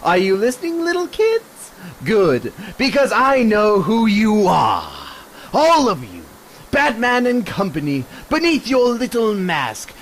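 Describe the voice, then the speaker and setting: Killer clown villain: very high, slow, mocking and menacing, radio drama, noisy background. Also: male voice, huge pitch swings, heavily acted. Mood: mocking menace. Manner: taunting, sing-song, swinging from hush to shriek. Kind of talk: superhero radio drama acting.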